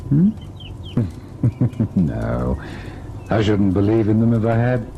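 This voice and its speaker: An actor playing a devoted, sorrowful husband in an old-time radio ghost drama, measured and tender in his delivery. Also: lowish voice, sing-song, vocal fry, narrow, tinny audio, slight background noise, heavily acted. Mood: tender, teasing. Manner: measured, melancholy narration, tender and indulgent in dialogue. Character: devoted husband recalling a haunted, sorrowful tale.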